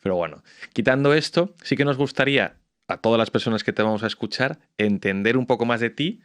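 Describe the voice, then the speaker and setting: A man's voice: mid-range voice, fairly quick. A man hosting a podcast interview, chatty and asking long, rambling questions with frequent restarts. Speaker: podcast host. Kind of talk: conversational interview.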